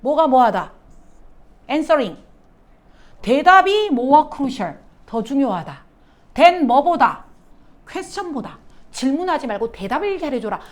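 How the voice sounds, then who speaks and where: A woman English teacher giving an exam lecture, quizzing her students with quick rhetorical questions. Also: high-pitched, very animated.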